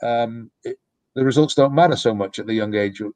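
A man's voice: mid-range voice, normal speed, a little mellow, no room sound. Brief: middle-aged male coach, reflective, meandering, dry close mic. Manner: reflective, rambling with restarts. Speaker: youth soccer coach, guest. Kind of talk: casual podcast conversation. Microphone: podcast microphone.

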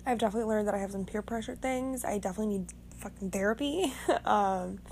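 Raspy young woman who just woke up, rambling on her podcast, swears a lot, faint hum behind. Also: mid-range voice, fast, a little mellow. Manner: rambling, frank, swears casually. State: just woken up. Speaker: podcast host. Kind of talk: casual monologue.

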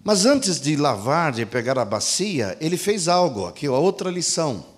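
A man preaching a sermon in a somewhat high voice. He poses rhetorical questions and answers them himself. He acts out the quoted dialogue with shifts of pitch and pace. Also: big pitch swings, normal speed.

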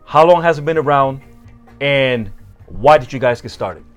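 A man's voice: medium pitch, lively intonation, normal speed, clean tone, faint music behind. A man hosting a casual interview, friendly and encouraging, joking at his own expense. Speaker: interview host.

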